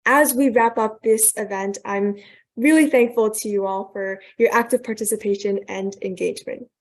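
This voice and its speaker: A woman's voice: medium pitch, fairly even intonation, moderate pace. A young woman, a student, giving an earnest, polished presentation over a video call. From Thailand, raised in New York. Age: young adult. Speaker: guest speaker.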